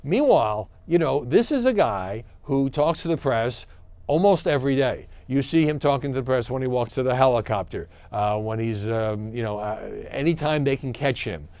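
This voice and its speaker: A man delivers opinion commentary in a mid-pitched voice. His delivery is conversational and a little halting, with emphatic key words, in a dry recording. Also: lively intonation, a little mellow, no echo. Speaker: media commentator.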